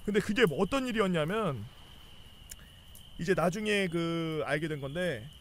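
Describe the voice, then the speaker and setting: A young man casually telling a rowdy army story, swearing a lot and shouting out the officers' lines. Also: on the high side, normal speed, a little hiss or hum. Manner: animated, swearing, acts out yelling officers.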